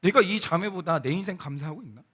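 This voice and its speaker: A man, a pastor, giving a Sunday sermon in a church, telling a story and quoting people in a softer voice, with bursts of excitement. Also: on the high side, fast talker, husky. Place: church sanctuary.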